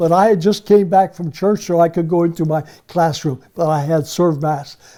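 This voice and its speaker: A dark, mellow tone in a Montreal accent, with fairly even intonation at a moderate pace. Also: man, high pitch for a man. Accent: Canadian English (Montreal anglophone). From Montreal, Quebec (English-speaking, east end). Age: 90s. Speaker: retired pharmacist. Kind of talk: interview. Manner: halting, with hesitations.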